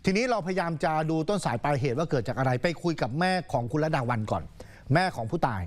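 A male news anchor tells the story in a loose, conversational way, keeping it chatty and casual. His voice sits a little high, and his delivery is relaxed and talkative. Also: fast. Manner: casual, chatty, uses polite particles.

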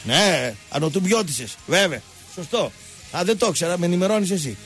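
A high-voiced man rambles about football on his radio sports show, telling stories in an animated, sneering way and straying off on tangents. Soft music runs in the background, captured by a radio studio microphone.

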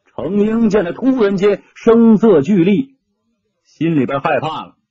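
A man's voice: high-pitched, animated, measured pace, mellow, breathy edge, no echo, dull audio. A man narrating an audiobook story dramatically, shifting his tone with the action.

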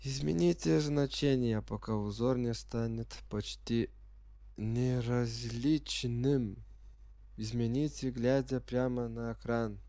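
A sick man speaking as a non-native speaker, giving halting, unsure commentary as he plays a game for the first time and reads the menus aloud. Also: medium pitch, fairly even intonation, mellow, no echo. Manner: reads game menu text aloud while puzzling over it. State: sick with a virus. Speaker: gamer playing on camera.

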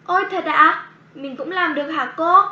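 A very high, bright small child pupil, curious and excitable. The cartoon voice is chirpy and polite, with a roomy, dull sound. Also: female voice, normal speed, full character voice. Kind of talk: children's educational cartoon dialogue.

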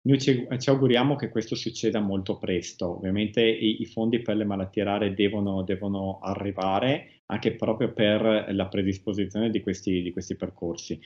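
Low-voiced man, measured, lo-fi sound. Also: a little mellow. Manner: measured, with frequent hesitations and restarts. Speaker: guest expert on rare diseases. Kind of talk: TV interview answers.

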